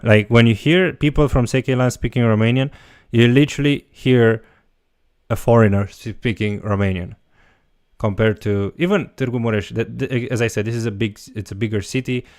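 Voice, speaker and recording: A man's voice: mid-range voice, fairly even intonation, normal speed, a little mellow, no room sound, studio quality. A man teaching a language, answering viewer questions in a casual livestream and thinking aloud as he goes. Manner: loose, talks while thinking aloud.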